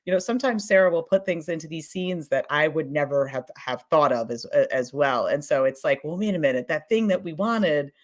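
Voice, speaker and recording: A woman's voice: low-pitched, fairly quick, few pauses. A woman speaking as a podcast producer in an informal panel discussion, enthusiastic, affirming and emphatic.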